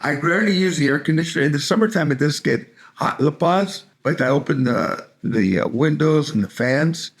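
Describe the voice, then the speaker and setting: An older man from California, chatting casually in an interview with easygoing warmth and occasional laughs. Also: fairly high pitch, expressive, fairly quick, hardly any pauses, slightly rough. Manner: easygoing, chatty, laughs while telling stories. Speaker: interviewee, retiree in Mexico.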